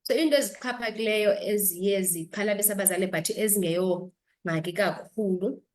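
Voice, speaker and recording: A woman doctor with a South African accent appears as an interview guest, explaining health advice instructively while switching between two languages. Her mid-range voice has a darkish tone and moves at normal speed.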